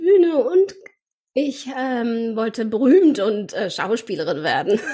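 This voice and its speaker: With a dark, mellow tone, a woman talks at a high pitch, her voice making very wide pitch swings. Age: young. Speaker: clown and podcaster. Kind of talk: casual interview. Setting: video call.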